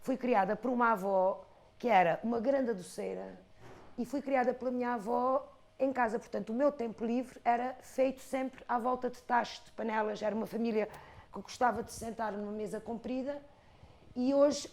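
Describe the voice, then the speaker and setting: Algarve-accented woman in her 50s, storyteller, bit high, gravelly, rhythmic and expressive. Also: moderate pace. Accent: European Portuguese, Algarve. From Algarve, Portugal. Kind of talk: reflective interview talk.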